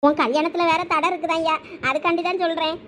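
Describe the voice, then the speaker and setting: A woman's voice: very high voice, fairly even intonation, fast talker, fairly bright tone, a little hiss or hum. A woman in a village comedy skit, voicing a fretful, superstitious mother who coaxes her son. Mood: pleading. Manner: pleading, coaxing.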